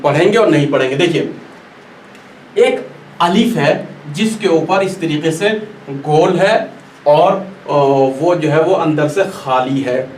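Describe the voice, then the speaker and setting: A man's voice: on the high side, slow pace, pauses often. A man teaching a Quran recitation class, patiently repeating and stretching out each example word. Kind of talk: classroom lesson. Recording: echoey room, distant mic, faint noise.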